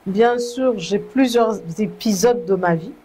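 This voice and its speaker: A young Congolese woman telling her life story in an interview, measured and earnest, often pausing and restarting. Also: medium pitch, background noise. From Congo (DRC). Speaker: guest, gospel singer. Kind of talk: testimony interview.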